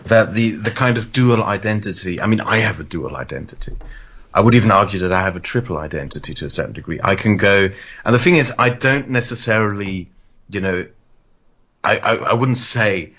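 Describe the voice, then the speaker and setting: A man's voice: on the low side, brisk, a bit bright. A man who grew up in Wales, a guest in a casual discussion, talking thoughtfully and repeating phrases as he works through a point. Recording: muffled lo-fi audio.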